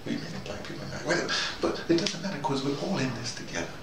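An older man with a gravelly voice giving a rambling, conversational spoken commentary, circling back and repeating words as he goes. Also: mid-range voice, quick pace. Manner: digressive, repeats words, conversational, animated asides. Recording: roomy, distant mic, noticeable background noise.

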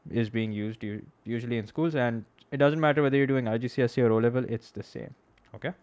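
A fast-talking young man with a medium-pitched, darkish voice and a Pakistani accent gives a casual maths lesson over a live stream. The recording is dry, from a close mic on a boom arm at his desk in a small indoor room. He slips between English and Urdu and keeps asking his audience "okay?"

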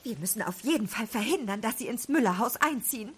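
High-voiced, feisty little witch. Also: expressive, quick pace, a bit bright, husky, full character voice. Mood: determined. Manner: theatrical, indignant. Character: feisty, grumpy apple-tree witch, bossy and energetic. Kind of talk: children's audio drama acting.

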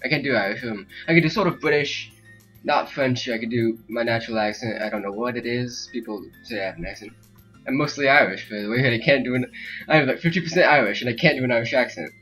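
A man's voice: mid-range voice, fast, a bit bright. A man hosting a casual gaming let's play, rambling with joking asides. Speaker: gaming video host. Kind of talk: casual let's play commentary with reading game text aloud. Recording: dull lo-fi mic with game music. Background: video game music.

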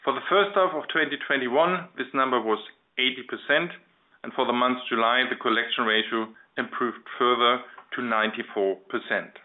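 A male executive with a German accent presents company results over a thin, narrow telephone connection. His voice sits at an average pitch. He is formal and measured, clearly reading from a prepared script. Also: fairly even intonation. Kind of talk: scripted financial presentation on a conference call. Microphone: telephone conference line. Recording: narrow phone-line sound.

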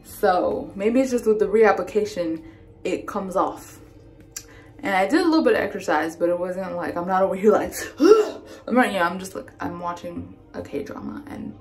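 A woman beauty vlogger chatting casually through a product review, with slang and playful asides. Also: on the low side.

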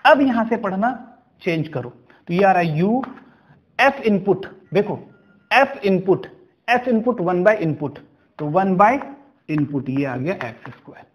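Walking through maths problems one step at a time, a male teacher keeps checking whether his class is following. He speaks slowly in a high voice with lively intonation, captured in a rough recording.

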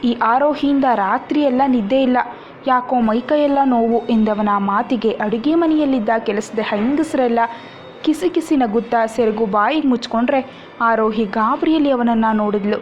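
A woman's voice: a little high, normal speed, a little hiss or hum. A woman reading a serialized story aloud and speaking every character's lines in her own voice. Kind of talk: scripted story narration. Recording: dull lo-fi sound with faint music.

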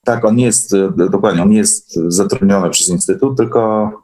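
Low-voiced man chatting as a guest. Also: normal speed, warm tone. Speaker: guest recounting course experiences. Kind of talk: casual conversational interview. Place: online call.

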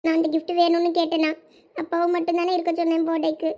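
A woman's voice: extremely high pitch, monotone, fast talker, warm tone, dull audio. A woman with a Thoothukudi Tamil accent playing a sulky teenage girl who complains about her birthday.

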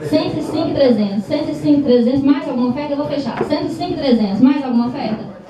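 A woman's voice: high-pitched, fast talker. A woman with a Brazilian accent calling bids at a live auction, repeating figures and prompts in a chant. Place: small crowded indoor meeting room. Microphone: distant handheld camera in audience. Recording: roomy far-off camera, audience noise.

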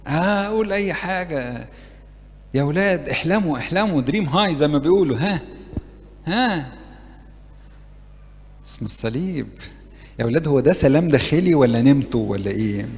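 An Egyptian priest preaches to a youth meeting in a slightly high voice, often turning to the audience with questions. He acts out prayers as he goes. His words ring out with a long reverb from the church hall. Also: lively intonation, fairly quick, pauses often. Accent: Egyptian Arabic. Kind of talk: interactive sermon.

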